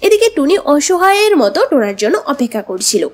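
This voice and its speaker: A woman's voice: high-pitched, big pitch swings, moderate pace. A woman narrating a scripted cartoon story as the storyteller. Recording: music bed under the voice. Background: background music.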